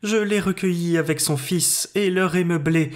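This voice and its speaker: A man reading an audiobook, voicing a reserved noble countess in a slow, measured, hesitant way. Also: high-pitched, fairly even intonation, voice pushed up, close to an everyday voice.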